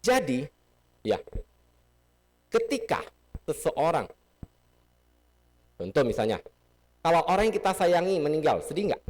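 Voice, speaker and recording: A man's voice: fairly high pitch, unhurried, long pauses. Guy giving a chatty temple sermon, voice bouncing all over, keeps quizzing the audience. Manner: lively, playful teaching with questions to the audience. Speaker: Buddhist dharma speaker. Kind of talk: casual sermon. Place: temple hall.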